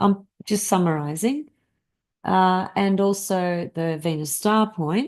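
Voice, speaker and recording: Very slow and medium in pitch, a woman's speech shows ordinary pitch variation against a quiet background. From Australia. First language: Greek. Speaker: astrologer. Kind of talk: live stream chat. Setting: live stream. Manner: hesitant, many fillers.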